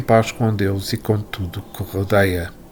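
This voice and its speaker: A man speaks at a moderate pace. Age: 60s. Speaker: spiritist study teacher. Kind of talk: religious study talk. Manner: halting.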